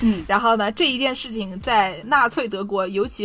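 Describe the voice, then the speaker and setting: A woman speaks at a fairly quick pace with an animated tone, a fairly high pitch and ordinary pitch variation. Noticeable background noise runs underneath. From northern Jiangsu (Subei). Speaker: comedy podcast co-host. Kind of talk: casual comedic crosstalk chat.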